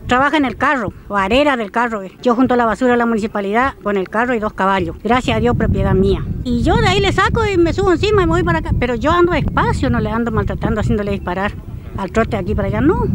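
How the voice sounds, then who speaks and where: A high-pitched middle-aged woman with a Chaco Argentine accent talks plainly, with pauses and hesitations. She speaks into a handheld reporter's mic outdoors on an open field. Clear background noise runs under her voice. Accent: Chaco Argentine Spanish. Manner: plain-spoken, halting, with hesitations. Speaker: rider and municipal waste collector. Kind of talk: outdoor street interview. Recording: noisy outdoor field recording.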